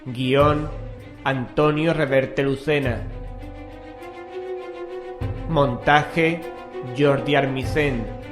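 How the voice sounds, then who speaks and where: A man's voice: medium pitch, fairly even intonation, drawn-out words, pauses often, over music. A man from presenting a scripted horror radio show.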